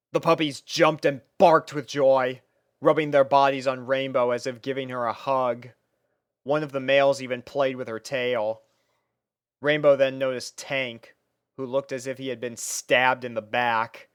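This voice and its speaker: A narrator reading a story aloud in an expressive, scripted storybook style. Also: medium pitch, a little slow, clear, resonant tone, no echo, studio quality. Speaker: fan fiction narrator.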